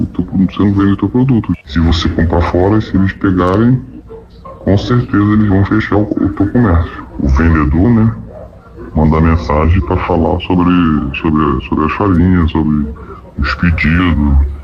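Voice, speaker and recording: An anonymous male witness heard through voice distortion that pitches him down. He speaks haltingly and repeats words as he searches for them, in a muffled recorded interview clip. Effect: distorted disguised voice, pitched down.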